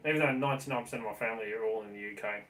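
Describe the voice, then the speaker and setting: A man's voice: fairly low pitch, very fast, a bit bright, slight background noise, poor audio. Australian man in his thirties, easygoing livestream host, casual and chatty, webcam audio. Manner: chatty, laid-back, swears casually. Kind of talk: casual live-stream chat. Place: small bedroom indoors.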